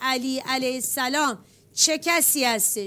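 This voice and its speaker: Her tone bright and sharp, a woman speaks very slowly at a high pitch. Her voice is raised and projected. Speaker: teacher. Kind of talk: lecture. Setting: online class video call. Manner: animated, encouraging.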